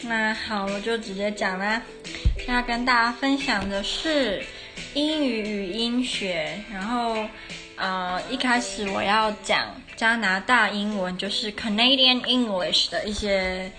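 A woman's voice: mid-range voice, measured pace, music in the background. A tired woman giving a casual podcast lesson on English phonetics, talking unhurriedly with many fillers and restarts.

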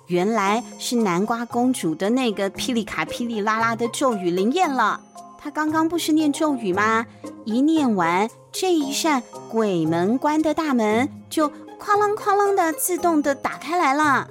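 A woman with a Taiwanese Mandarin accent, hosting and narrating children's bedtime stories in an expressive, chatty way with explanatory asides. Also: a little high, normal speed, music in the background. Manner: expressive, chatty explaining with sentence-end particles. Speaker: podcast host and storyteller, a mother.

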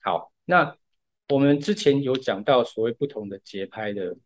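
A man from Taiwan co-hosts a casual podcast, walking through a music topic with patient explanations and plenty of filler words. His pitch is middle-range and he talks at normal speed.

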